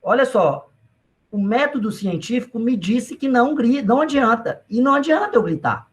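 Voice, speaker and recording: A man teaching an economics class in a relaxed, conversational way. His voice sits fairly high for a man, and he keeps turning to the students with asides and stories from his own life. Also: normal speed. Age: adult father of young children. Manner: conversational, uses personal anecdotes and frequent asides to students. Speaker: economics lecturer. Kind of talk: casual spoken lecture.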